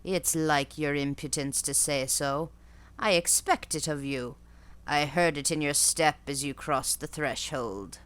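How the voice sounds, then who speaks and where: A woman voicing a harsh old female gypsy fortune-teller who speaks slowly and deliberately in a low, decided voice. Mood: mocking. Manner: slow, low, emphatic pronouncements.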